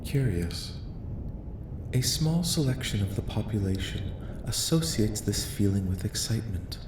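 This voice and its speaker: A man voicing a calm, curious, clinical alien researcher in a soft-spoken ASMR roleplay, with measured, formal, detached questioning. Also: on the low side. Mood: detached curiosity. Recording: roomy echo, light background noise.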